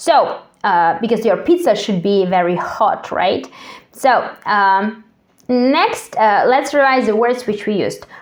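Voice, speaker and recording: Speaking in a Russian accent, a woman with a fairly high pitch talks at a fairly slow pace with lively intonation. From Kazakhstan. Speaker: English teacher. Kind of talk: tutorial. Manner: slow and repetitive drilling.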